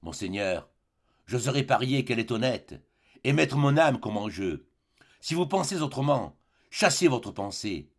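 A man's voice: mid-range voice, sing-song, measured pace. A man reading a play aloud, voicing a loyal female servant who pleads earnestly.

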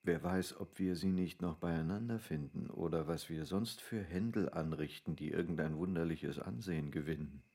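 An actor playing an obliging, cautious gentleman baron in a radio drama, with courteous, formal old-fashioned speech. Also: low voice, moderate pace, few pauses, breathy edge. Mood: courteous, hesitant. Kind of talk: literary radio drama acting.

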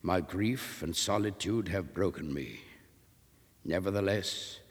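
Stern, sorrowful old sailor near death read by a man, slow and low, husky, reverb. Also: expressive. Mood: grave. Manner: grave, hushed. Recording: reverberant room.

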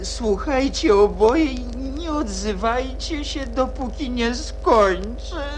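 A woman playing a doleful, self-pitying turtle telling its story haltingly in a children's radio play. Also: fairly high pitch, animated, soft background music, low-quality recording. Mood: mournful.

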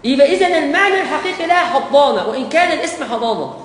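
A man's voice: very high voice, lively intonation, very fast, fairly bright tone. A man with an Egyptian Arabic accent teaching a Quran course, often putting questions to his listeners and answering them himself. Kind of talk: recorded lecture to teachers. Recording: echoey hall with long reverb and faint hiss.

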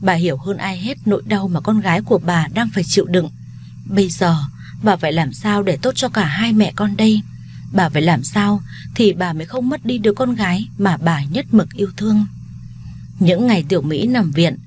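A woman narrating a family drama story in a steady, somber scripted telling. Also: medium pitch, a little hiss or hum.

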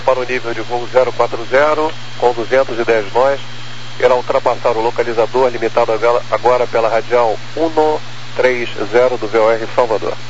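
A man's voice: mid-range voice, fairly even intonation, a little fast. Brazilian male air traffic controller on muffled radio. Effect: radio transmission. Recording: muffled aviation radio, faint noise.

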